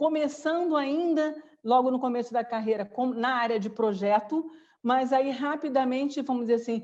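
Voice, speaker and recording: High-pitched woman with a Rio de Janeiro accent, moderate pace, ordinary pitch variation. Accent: Rio de Janeiro (carioca). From Brazil, Rio de Janeiro. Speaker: real estate executive. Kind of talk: interview.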